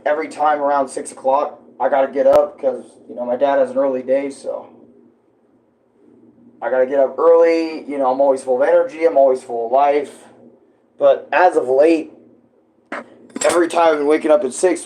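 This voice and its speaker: Speaking into a tablet set up close by in his home kitchen, a young man rambles through a casual vlog full of filler words. His medium-pitched, darkish voice holds a fairly even intonation at a moderate pace and gets froggy now and then, and the recording quality is low.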